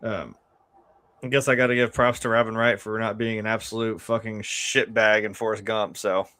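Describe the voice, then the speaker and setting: A man with a fairly low voice co-hosts a casual film review. His banter is sardonic and sweary, and the sound is dry, with no room around it. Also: level tone, moderate pace, bright, forceful tone, no echo. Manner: sardonic, profane joking.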